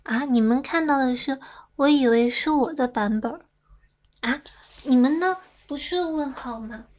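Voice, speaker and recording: Playful high-voiced young woman livestreaming. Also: a little slow, darkish tone. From China. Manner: playful, giggly, reads fan comments aloud, stumbles over English. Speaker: idol livestream host. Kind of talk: casual livestream chat with fans.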